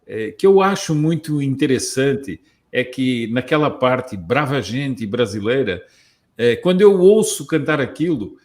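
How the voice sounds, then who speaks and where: A man from Portugal hosting a conversation, speaking in a mid-range voice. His delivery is measured and reflective, with a soft laugh now and then. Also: medium pitch, very animated. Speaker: host. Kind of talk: conversational discussion.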